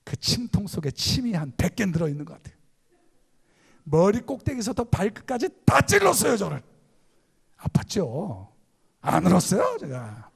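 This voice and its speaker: Male pastor, sermon storyteller, swooping expressive delivery, gravelly edge, playful and animated. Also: high-pitched, moderate pace, pauses often. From Gangwon Province, South Korea.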